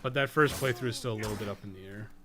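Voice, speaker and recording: Male game streamer, lower register, loose sweary think-aloud commentary, some background noise. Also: very fast. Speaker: game streamer and podcast co-host. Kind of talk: casual unscripted gameplay commentary. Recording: clearly noisy background.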